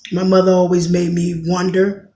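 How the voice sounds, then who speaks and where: A woman in her thirties from Washington, D.C., with a raspy voice, talking bluntly in a rambling podcast monologue and often correcting herself. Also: on the low side, monotone, normal speed, mellow, echoey room. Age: 30s. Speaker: podcast host. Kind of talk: casual monologue commentary.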